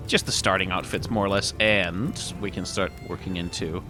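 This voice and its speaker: A man's voice: deep voice, fairly even intonation, moderate pace. A man giving casual video game commentary, musing aloud in a wry way. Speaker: gaming video host. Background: faint game music.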